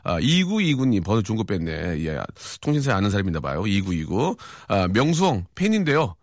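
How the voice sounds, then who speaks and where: A middle-aged man hosting a live radio show, reading listener texts with quick, teasing banter and lots of fillers. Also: on the low side, big pitch swings, no echo, clean studio sound. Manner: fast, joking, teasing banter with frequent fillers. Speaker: radio host. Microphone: studio microphone.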